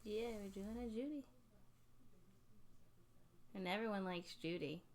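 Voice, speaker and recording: A woman's voice: mid-range voice, a little slow. A woman chatting playfully with a friend while drawing on a stream, teasing and laughing often. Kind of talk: casual drawing stream chat.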